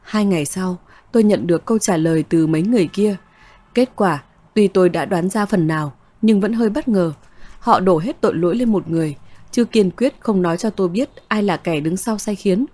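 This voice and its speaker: A woman reading a first-person story aloud as its narrator, in a steady, even way. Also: medium pitch, brisk.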